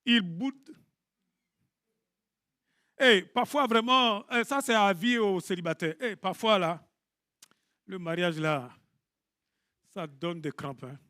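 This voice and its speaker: A middle-aged pastor delivers a lively sermon, swinging from loud bursts to hushed asides and joking with his congregation. His voice sits high and moves slowly, with long pauses. The recording is dry and studio quality.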